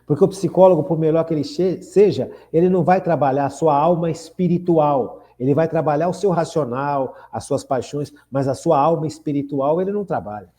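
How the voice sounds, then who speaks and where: Older man, sixties, Brazilian accent, warm relaxed tone, fairly high voice, earnest radio host, repeats phrases. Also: brisk, few pauses. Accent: Brazilian Portuguese. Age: 60s. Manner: earnest, repeats phrases, asks listeners questions. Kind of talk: reflective spiritual radio talk.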